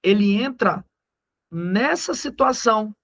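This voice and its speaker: A man with a Brazilian accent teaching physics in a recorded lesson. He talks in a slangy, joking way and slows down to stress the key numbers. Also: high voice, lively intonation, a bit bright, lo-fi sound. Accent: Brazilian Portuguese.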